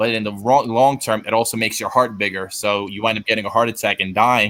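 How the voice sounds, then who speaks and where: A man's bright, sharp voice with a New York accent, monotone, flat intonation and a fairly quick pace, on a very clean recording with a silent background. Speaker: sports streamer. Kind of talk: casual chat. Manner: fast.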